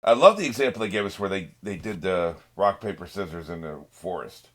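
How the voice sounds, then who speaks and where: Male reaction host, low register, informal and unscripted, thinks out loud, salty language. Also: lively intonation, fairly quick. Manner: informal, swearing, musing. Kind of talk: casual off-the-cuff reaction commentary.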